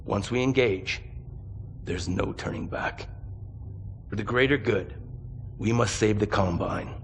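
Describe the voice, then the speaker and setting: A low, gravelly voice of a stern commander, solemn and measured as in a game cutscene. Faint background noise sits under the orders. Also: male voice. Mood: grave, resolute. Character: grave, commanding male mercenary officer briefing his unit. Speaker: military commander. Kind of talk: dramatic game cutscene acting.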